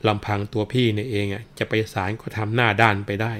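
A man's voice: lowish voice, little pitch movement, fast talker, a bit bright, lightly acted. A man voicing a cowardly bald rich man who whines, wails and fakes illness and possession. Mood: whining. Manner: whiny, wailing, feigns illness and spirit possession.

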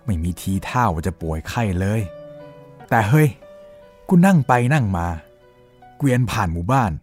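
A man voicing a rough-talking village man who tells of a ghostly encounter with blunt, coarse speech. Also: mid-range voice, moderate pace, soft background music. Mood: uneasy recounting. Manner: lively storytelling, rising and falling. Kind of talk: Thai audio-drama storytelling.

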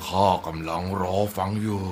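A man's voice: medium pitch, very animated, moderate pace, music in the background, natural voice. A man playing a boastful storybook giant, swooping and scornful. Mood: hungry, impatient. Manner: boastful, scornful, self-satisfied. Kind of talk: children's storybook character acting.

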